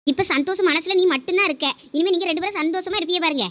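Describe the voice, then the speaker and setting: A woman voicing a kindly, fretful mother-in-law in a cartoon who soothes and coaxes in a Thoothukudi Tamil accent, a little lower than her other voices. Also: rapid-fire, fairly bright tone. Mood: soothing.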